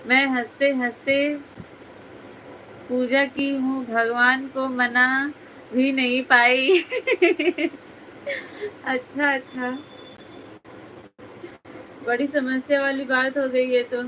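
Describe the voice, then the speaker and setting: A woman's voice: sits high, little pitch movement, takes it slowly, pauses often, bright, forceful tone, a little hiss or hum, rough recording. A woman hosting a casual live stream, chatting with viewers, reading their comments aloud and teasing them by name, often breaking into giggles.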